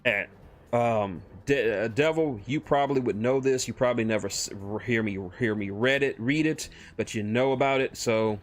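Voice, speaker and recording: A man talking casually and reading a story on a livestream, informal and halting, often correcting himself. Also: medium pitch, soft background music. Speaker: streamer and fan fiction writer.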